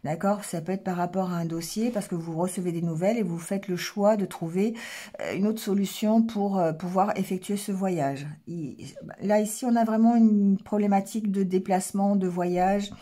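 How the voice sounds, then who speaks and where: Hoarse woman giving a hesitant tarot reading. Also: mid-range voice, steady tone, moderate pace, mellow. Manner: hesitant, many fillers and restarts, checks in with "d'accord?"; clears throat often. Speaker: tarot card reader. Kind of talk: casual tarot reading addressed to viewers.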